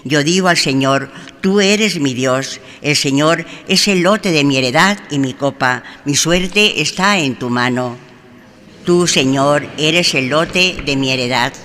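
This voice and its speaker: A man's voice: a little high, a little slow, bright, forceful tone. A man reading the Scripture lesson and the responsorial psalm aloud at Mass in a formal, declaiming way, in a large church. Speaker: lector. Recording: church reverb with faint ambience.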